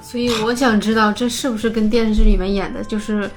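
A woman's voice: mid-range voice, fairly even intonation, quick pace, soft background music. A woman co-hosting a casual podcast, asking curious questions between short listening responses. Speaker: podcast co-host. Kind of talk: casual chat.

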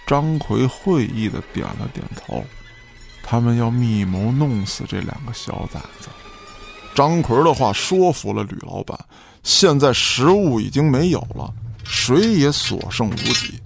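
A man's voice: medium pitch, animated, unhurried, vocal fry, soft background music. A man narrating an audio drama from a script in a dramatic storytelling style.

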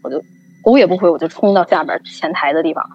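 A woman telling a story in casual chat, lively and acting out the people she quotes. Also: lowish voice, fast talker, slight background noise. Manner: animated storytelling, acts out quoted voices. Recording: dull lo-fi recording.

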